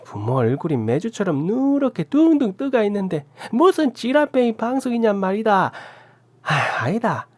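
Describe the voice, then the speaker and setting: A woman's voice: low voice, huge pitch swings, slightly rough, pitched above the performer's own voice, exaggerated voice. A woman voicing a tiny, hunched old aunt with a Gyeongsang accent who scolds and curses fiercely. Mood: ranting. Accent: Gyeongsang Korean. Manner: scolding, cursing, drawn-out shouts.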